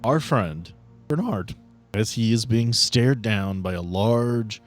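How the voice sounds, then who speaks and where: A middle-aged man hosting a tabletop game casually as game master, in a wry, measured way. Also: fairly low pitch, soft background music.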